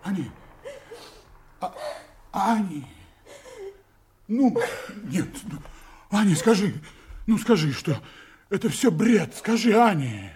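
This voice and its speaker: An actor playing a domineering, desperate secret agent in an audio drama, emotional and insistent, swinging from coaxing to menace. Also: male voice, high-pitched, big pitch swings, slow, pauses often, a little mellow, slight background noise, full character voice. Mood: desperate, pleading.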